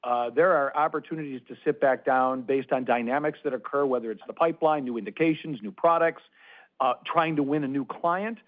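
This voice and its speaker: A man speaking as a senior company executive, giving measured, explanatory unscripted answers on an earnings call. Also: medium pitch, phone-quality sound.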